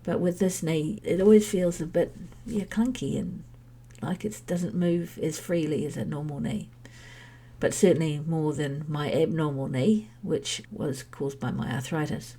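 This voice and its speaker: A middle-aged woman hosts her own podcast, her voice low and husky and her tone mellow. She is stuffy with a head cold and speaks candidly, in a chatty, meandering way. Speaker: podcast host sharing her health journey. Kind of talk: personal podcast monologue.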